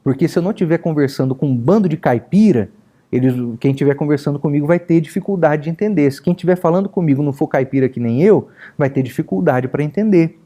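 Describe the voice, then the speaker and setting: A man from São Paulo state, Brazil, with a countryside São Paulo accent, teaching a lesson on preaching as a pastor in a lively, emphatic way. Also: fast talker. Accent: São Paulo countryside Brazilian Portuguese. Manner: lively and emphatic, with sudden pitch jumps. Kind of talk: recorded lesson.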